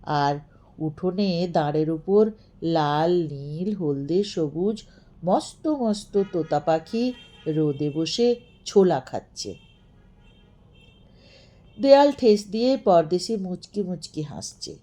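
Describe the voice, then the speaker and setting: A woman narrating a scripted story as an expressive storyteller. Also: fairly low pitch, takes it slowly, long pauses.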